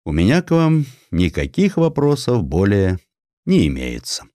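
A man's voice: lowish voice, wildly swooping pitch, a little slow, warm tone, no room sound. A man voicing a stern senator who questions officials formally, in an audiobook. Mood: curt. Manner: formal, interrogating. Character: stern male senator auditing a corrupt official.

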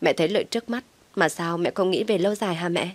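A frantic, grieving young mother, as a woman storyteller puts her on, her voice pitched low yet breaking into shrill, crying outbursts. The sound is dry and close, with no room around it. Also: quick pace, dry recording, natural voice. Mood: distraught.

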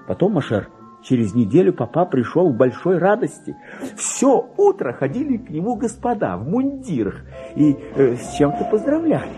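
A man's voice: on the high side, big pitch swings, moderate pace, dark tone, faint music behind, pitched above the performer's own voice. Man putting on a prim, swooping little lapdog lady. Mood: gossipy, puzzled. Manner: prim, gossipy, singsong. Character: chatty, naive, pampered female lapdog writing gossipy letters. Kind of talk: theatrical radio letter reading.

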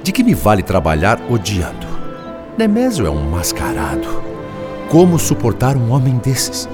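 A tormented male spirit in a radio drama, an indignant father pouring out his lament. The voice is low and swings widely with agitation, over clear background music. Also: wildly swooping pitch, normal speed. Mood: anguished, bitter.

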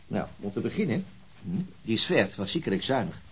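An actor playing a methodical, weary police detective in a radio drama, speaking in a dry, deliberate, sometimes hesitant way. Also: male voice, fairly low pitch, very animated, husky, heavily acted, low-quality recording. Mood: dry, thoughtful. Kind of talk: naturalistic radio drama dialogue.

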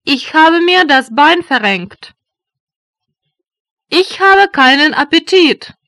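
A woman reading German phrases slowly and deliberately for learners, repeating each one. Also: high voice, lively intonation, sharp tone, no echo, clean studio sound. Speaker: German language teacher voice. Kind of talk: slow phrase drills for learners.

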